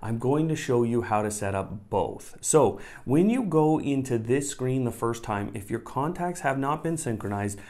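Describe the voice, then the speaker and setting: Speaking at a moderate pace with few pauses, a man hosts a casual, step-by-step tech tutorial and keeps rephrasing what he wants viewers to do. His voice is mid-range, animated, and a little mellow, and he's at a desk in a small indoor room.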